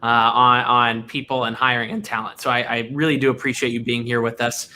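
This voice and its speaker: A man hosting a casual interview, relaxed and quick to joke with his guest. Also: medium pitch, a little hiss or hum. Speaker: interview host.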